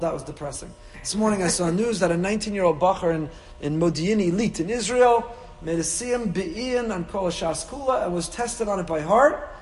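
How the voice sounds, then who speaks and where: A man with a Yiddish-inflected American Orthodox Jewish accent gives an impassioned, rhetorical sermon as a rabbi, sprinkling in Yiddish and Hebrew and repeating phrases for effect. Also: a little high. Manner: animated, rhetorical repetition, peppers speech with Yiddish and Hebrew. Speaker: rabbi giving a Torah lecture. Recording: reverberant hall.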